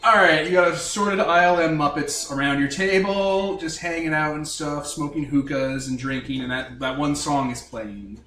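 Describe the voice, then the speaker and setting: A man's voice: on the high side, moderate pace, few pauses, sharp tone, roomy sound, far from the mic, a little hiss or hum. A man running a tabletop game as game master, setting scenes with wry, jokey narration.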